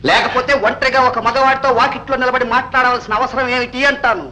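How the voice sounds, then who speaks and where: An actor playing a jealous, bullying husband in 1960s film melodrama, sneering and quick to shout. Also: male voice, very high voice, flat delivery, exaggerated voice, rough recording. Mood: taunting. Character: bullying, jealous husband who taunts his wife. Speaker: film villain.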